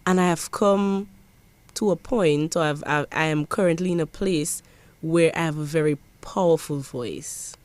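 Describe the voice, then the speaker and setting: A woman's voice: deep voice, a little slow, dry recording. Earnest young Dominican woman, dry sound. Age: young adult. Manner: earnest, emphatic, with repeated restarts. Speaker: parliamentary secretary. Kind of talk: interview.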